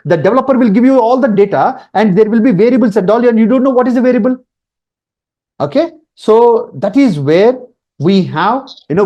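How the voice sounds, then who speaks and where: A man's voice: high voice, warm tone, muffled recording. A man from India with a Telugu accent, a native Telugu speaker, teaching a webinar informally as an instructor, repeating points emphatically and checking in often. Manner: repetitive, emphatic, checks in with "okay" and "right".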